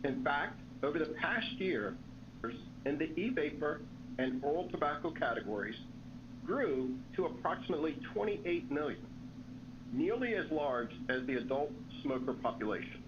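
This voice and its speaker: A man's voice: a little high, sing-song, normal speed. A man reading scripted remarks as a company executive on an earnings call. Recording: dull lo-fi call audio, clear noise.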